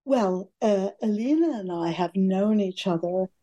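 Older woman, soft mellow voice. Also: mid-range voice, measured pace, a little hiss or hum. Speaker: history professor, interview guest. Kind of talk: conversational interview.

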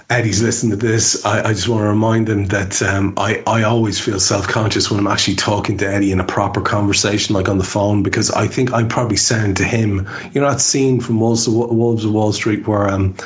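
Low-voiced rambling podcast host, a man. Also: level tone, normal speed. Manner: rambling and self-deprecating, many fillers and restarts. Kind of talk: casual podcast chat. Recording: dull lo-fi audio.

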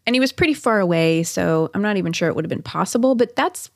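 A woman's voice: mid-range voice, expressive, fast talker, vocal fry. A woman with a mid-range voice tells a true-crime story as a podcast host. Her delivery is conversational, moving between narration and chatty personal asides. The sound is dry, with no room echo.

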